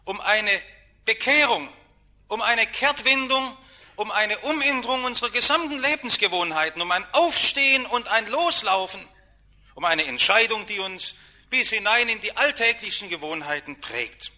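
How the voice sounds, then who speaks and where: A man delivers an emphatic sermon, dropping to near-quiet then rising with force. His voice sits a little high, with a very bright, sharp edge. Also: lively intonation, moderate pace. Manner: emphatic, dramatic swings in loudness. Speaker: preacher.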